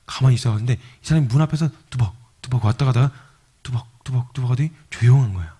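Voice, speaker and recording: A man's voice: mid-range voice, rapid-fire, slightly rough. A male missionary preaching to young adults, telling stories vividly and acting out scenes with sound effects. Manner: animated storytelling, acts out scenes with sound effects.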